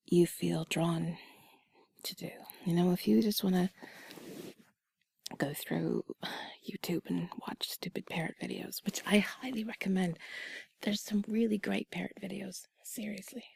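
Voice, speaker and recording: A woman in an intimate, soothing whispered role-play, speaking in a breathy, husky, unhurried way, close to the mic. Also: medium pitch, steady tone, a little mellow, no room sound. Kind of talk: intimate comfort audio, soft ASMR whispered role-play. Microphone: close microphone, dry sound.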